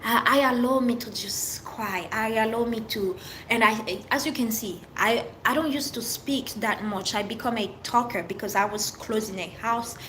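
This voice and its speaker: On a livestream, a middle-aged woman from Haiti with a French accent answers viewers in an open, earnest way, speaking in short phrases that often restart. Her voice is fairly bright and on the high side at a moderate pace, and the poor audio carries a little hiss or hum.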